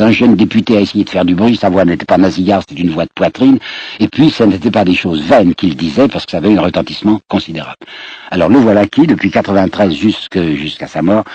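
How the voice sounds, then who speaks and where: A very deep, husky-voiced man lecturing on history, talking straight to his listeners and often stumbling over repeated words as he goes. The sound is dry and close, on a dull, muffled old radio recording. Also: darkish tone, dry recording. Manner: storytelling, addresses listeners directly, repeats words as he searches.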